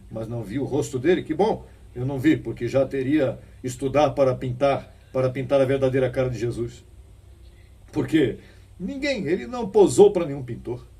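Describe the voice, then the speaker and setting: Male preacher, dark husky voice, emphatic sermon delivery, mic a little distant. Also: medium pitch. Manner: emphatic preaching, rising bursts and rhetorical questions.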